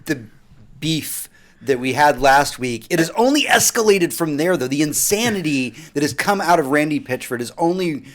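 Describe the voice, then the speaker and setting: A man's voice: a little high, animated, moderate pace. A man hosting a casual podcast on pop culture and gaming news, speaking informally and with emphasis. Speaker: podcast host.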